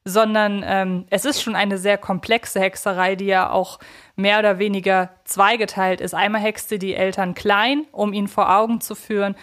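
A woman's voice: medium pitch, flat delivery, moderate pace. A woman co-hosting a podcast, talking in a conversational, thoughtful way and often searching for her words. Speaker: podcast co-host.

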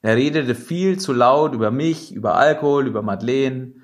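A man reads a novel aloud in the first person, at a mid pitch for a man. His narration is measured and expressive, in a steady storytelling manner. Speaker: audiobook narrator.

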